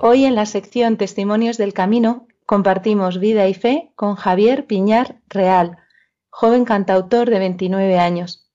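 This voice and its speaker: A woman hosting a radio program, reading smooth scripted introductions and asking gentle questions. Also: medium pitch, unhurried, lo-fi sound, soft background music. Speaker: radio host.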